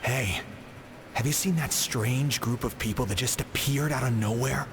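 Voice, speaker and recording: An actor voicing an easygoing, friendly uncle in a video game, talking in a casual way. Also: male voice, mid-range voice, normal speed, lightly acted. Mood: cautioning. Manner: jovial, casual. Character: chatty, easygoing uncle, friendly adult villager. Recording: noisy ambience behind the voice.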